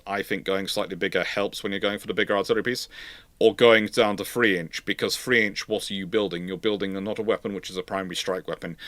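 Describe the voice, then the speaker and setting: A naval historian hosts a casual live history Q&A, thinking aloud conversationally and posing questions to himself. His male voice is lowish and a bit bright, and there is no echo.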